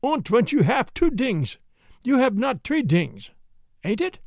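A man's voice: sits high, huge pitch swings, measured pace, creaky, darkish tone, no echo, studio quality, heavily acted. A man voicing a stubborn, blustering prisoner with a heavy put-on foreign accent.

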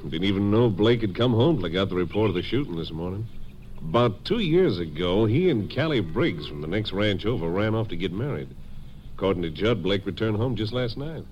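Guy playing folksy sheriff, lively up-and-down voice, muffled old radio recording. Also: lowish voice, a little fast, slight background noise, natural voice. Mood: curious. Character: plain-spoken, helpful country sheriff. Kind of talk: 1950s radio western acting.

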